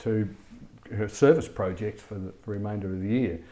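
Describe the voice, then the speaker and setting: A man with an Australian accent speaks in a fairly low pitch. His tone is dark and mellow, and his intonation is monotone and flat. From Australia, Melbourne (Hawthorn). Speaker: community club president, retired teacher. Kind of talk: radio interview.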